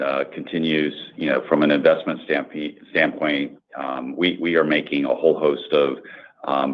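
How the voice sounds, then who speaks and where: A male company executive answering on an earnings call, speaking in halting corporate phrasing over a phone line. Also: a bass voice. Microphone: conference call line. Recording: tinny narrow phone line.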